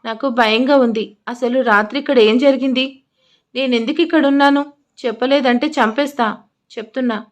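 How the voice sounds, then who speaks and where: A woman's voice: high voice, steady tone, normal speed, close to an everyday voice. A woman voicing a panicked, furious young woman. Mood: panicked shouting. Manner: shouting, panicked.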